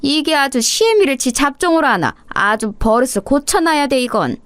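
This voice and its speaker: A woman voicing a furious older mother-in-law who shouts and berates her daughter-in-law in coarse words. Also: sits high, very animated, moderate pace, dry recording, voice pushed up. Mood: raging scold. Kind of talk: dramatized story reading.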